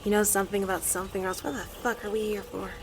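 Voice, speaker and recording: A woman's voice: medium pitch, level tone, very fast, vocal fry, natural voice. Woman as a blunt, hard-bitten space captain, noisy backdrop. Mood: impatient, demanding. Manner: curt, commanding, sardonic. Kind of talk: scripted audio drama acting.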